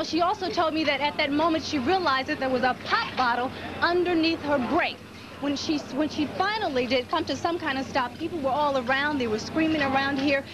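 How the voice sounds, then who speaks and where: A woman's voice: high voice, noisy background. A woman with an American accent giving an emphatic, explanatory live-style television report from outdoors at the scene. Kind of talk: unscripted on-scene news report.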